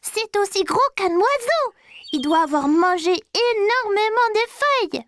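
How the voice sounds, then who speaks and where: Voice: extremely high pitch, expressive, measured pace, a bit bright, slight background noise, full character voice. An actor voicing a cheerful, curious preschool boy in a children's cartoon, full of eager wonder. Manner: eager, childlike wonder, simple short questions.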